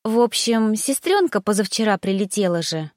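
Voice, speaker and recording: A woman's voice: mid-range voice, sing-song, normal speed, dry recording, studio quality, natural voice. A woman voicing a cheerful, bubbly young woman who talks playfully and pouts. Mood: sulky. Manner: bright, playful, pouty.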